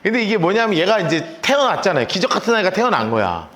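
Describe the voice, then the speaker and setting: Male pastor, sermon, animated storyteller, high voice, lively swings in pitch. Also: fast talker. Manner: animated storytelling, acts out characters.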